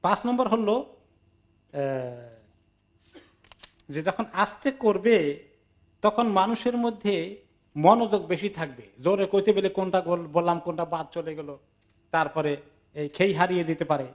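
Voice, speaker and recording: Guy, kinda high voice, chatty quran lecture, acts out the stories. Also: measured pace, long pauses. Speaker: Islamic teacher giving Quran tafsir. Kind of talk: sermon-style lecture with acted anecdotes.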